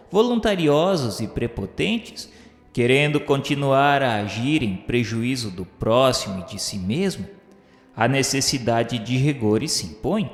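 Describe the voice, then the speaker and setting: A man playing the solemn spirit of a dead man, recounting his memoirs in declamatory radio drama narration with dramatic pauses. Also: mid-range voice. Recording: echoey long reverb over music. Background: music.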